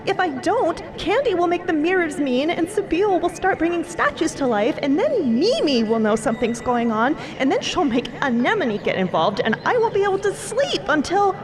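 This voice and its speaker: A woman's voice: very high-pitched, big pitch swings, moderate pace, few pauses. A woman playing an anxious young niece in a fiction podcast, earnest and rambling in her worries. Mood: fretful. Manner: rambling, breathless run-on worrying.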